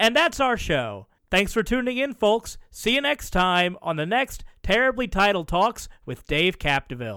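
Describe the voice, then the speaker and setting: A man's raised, projected voice, high-pitched, with very wide pitch swings, a bright, sharp tone and an American accent. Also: moderate pace. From US South, southern Louisiana. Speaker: podcast host. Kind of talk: casual chat.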